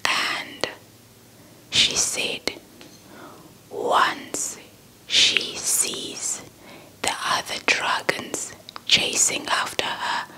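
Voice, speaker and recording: A young woman, a Xhosa speaker, whispers a folktale as an ASMR storyteller, deliberately repeating words for effect, close to a handheld mic. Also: sharp tone, rough recording. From South Africa. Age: young adult. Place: small indoor setup before a cloth backdrop. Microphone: handheld mic with fluffy windscreen, held close.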